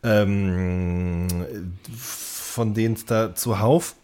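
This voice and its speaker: A man's voice: on the low side, steady tone, extremely slow, a little mellow, clear, resonant tone. A man chatting casually as a podcast co-host, often hesitating as he searches for words.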